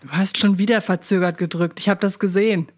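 A woman's voice: mid-range voice, fairly even intonation, quick pace. Woman bantering on a quiz podcast.

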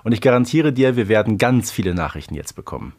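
A man co-hosting a podcast in relaxed casual chat, often ending sentences with a quick tag question. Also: on the low side. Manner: relaxed, tags on "ne?". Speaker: podcast co-host.

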